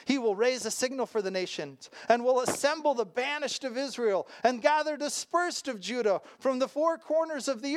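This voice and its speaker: A preacher giving a sermon in a conversational, animated way, with rhetorical questions, check-ins with the listeners and joking asides. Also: mid-range voice, no room sound. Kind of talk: sermon with casual asides and scripture reading.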